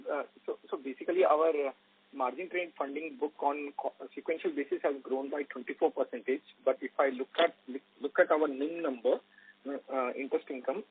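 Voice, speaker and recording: Raspy stumbling man on phone line. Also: mid-range voice, no room sound. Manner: repetitive, stumbling. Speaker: analyst asking questions. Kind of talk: earnings call question.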